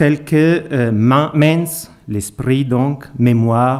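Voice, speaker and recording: Very slow speech in an Italian accent. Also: man. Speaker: archive curator. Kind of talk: formal introductory talk. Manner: formal.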